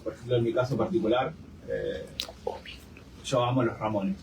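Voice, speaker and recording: A man's voice: medium pitch, fairly even intonation, normal speed. A man with an Argentine accent speaking as a guest in a live panel discussion, hesitant and full of filler sounds, recorded in a forum hall. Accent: Argentine Spanish. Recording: distant mic with clear room noise.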